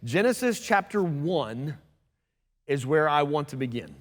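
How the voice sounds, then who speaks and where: A man preaching a sermon as pastor, talking fast and conversationally with asides to the congregation. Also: fairly high pitch, sing-song. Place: church sanctuary. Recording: long church hall reverb.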